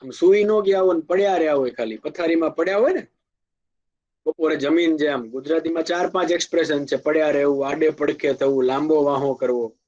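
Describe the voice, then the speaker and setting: A man with a Kathiawadi Gujarati accent teaching an English grammar lecture, explaining slowly with spoken examples and asides. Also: on the high side, a little mellow, lo-fi sound. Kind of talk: classroom lecture.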